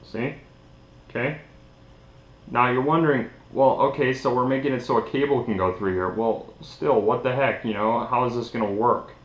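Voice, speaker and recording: A man's voice: medium pitch, fairly even intonation, normal speed. Young man, echoey room, casual demonstration. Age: young adult. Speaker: DIY tutorial host. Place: small indoor room at a table.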